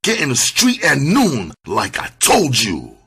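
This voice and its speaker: A man plays a cold-blooded pimp from a crime audiobook. The voice is husky and rough, and every order lands as a hard, commanding threat. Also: low voice, big pitch swings, measured pace, bright, forceful tone, heavily acted. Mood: menacing. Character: cold, menacing male pimp giving orders. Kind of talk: dramatized first-person crime narration.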